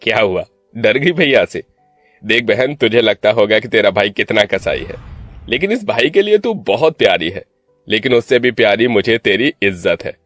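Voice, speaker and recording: A man's voice: fairly low pitch, animated, normal speed, a bit bright, no echo, faint music behind. A man voicing a harsh, proud young man in a cartoon, stern and menacing.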